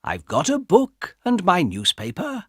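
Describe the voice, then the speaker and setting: A man reading aloud voices a quiet, mild man of fifty thinking to himself. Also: high voice, wildly swooping pitch, a little slow, breathy edge, dry recording, clean studio sound, pitched above the performer's own voice, exaggerated voice. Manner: mild, thoughtful. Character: quiet, fussy fifty-year-old man.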